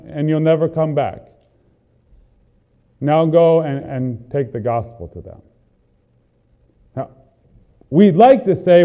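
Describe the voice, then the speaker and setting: A man's voice: fairly high pitch, dark tone. A man preaching a sermon, earnest and building emphasis through repeated phrases. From not from the country he is preaching in.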